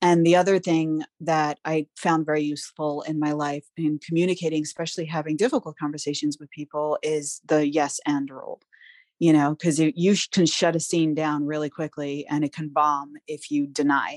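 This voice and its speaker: With a slight New York accent, a woman talks in a very deep, low pitch and a monotone, flat intonation at a moderate pace, hardly pausing, her voice dry and close with no echo against a quiet background. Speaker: salesperson. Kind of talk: casual chat.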